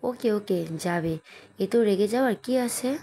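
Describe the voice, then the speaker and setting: Hot-headed young husband, gruff then sweet, woman reading the part, storybook romance. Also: mid-range voice, moderate pace, dark tone, lightly acted. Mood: annoyed. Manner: gruff, then tender teasing. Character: young husband, stern office boss, quick-tempered.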